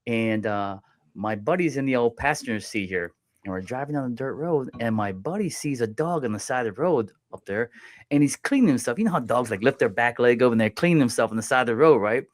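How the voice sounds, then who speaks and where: A man's voice: medium pitch, lively intonation, fairly quick, no echo. Easygoing male chiropractor guest, dry sound. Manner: easygoing storyteller, acts out the voices in his jokes. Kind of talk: casual podcast conversation.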